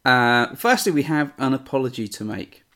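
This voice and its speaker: Man, podcast co-host, casual banter, joking, rambling, mid pitch. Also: animated, moderate pace, bright, forceful tone.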